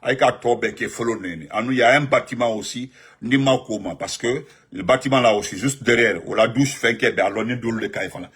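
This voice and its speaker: A man, giving animated live-stream political commentary and greeting viewers, repeating himself and jumping up in pitch when he stresses a point. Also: fairly quick, slightly rough. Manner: excited, repetitive, pitch jumps up sharply when emphatic.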